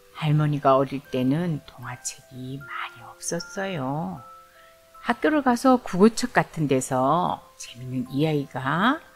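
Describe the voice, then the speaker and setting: A woman's very slow, very deep, low-pitched voice with a gentle, soothing tone, lively intonation and big swings in loudness, over music in the background. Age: old. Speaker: storyteller. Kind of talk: bedtime story reading.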